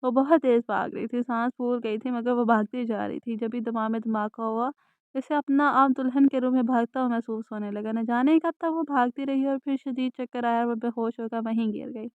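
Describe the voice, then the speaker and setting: Woman audiobook narrator, high voice, thin phone-like sound, dry. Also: steady tone, clear, resonant tone, dry recording. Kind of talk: scripted novel narration.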